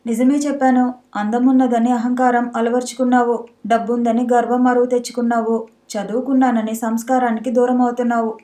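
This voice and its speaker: A woman's voice: on the high side, little pitch movement, a little fast, warm tone, lightly acted. A woman voicing a stern, hardworking young husband in a storybook reading, with a lecturing manner.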